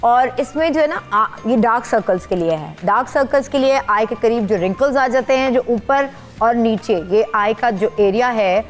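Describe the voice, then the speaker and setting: High-voiced woman doctor explaining patiently. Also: moderate pace, few pauses, soft background music. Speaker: skin doctor guest. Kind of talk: explaining products on a talk show.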